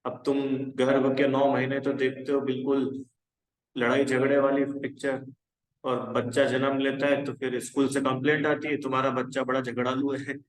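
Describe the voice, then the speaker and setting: A man with a mid-range voice speaks in a level tone at normal speed, recorded with roomy sound and poor audio quality. He's teaching a casual religion class to young people, talking conversationally, exhorting them and regularly asking checking questions to see if they follow.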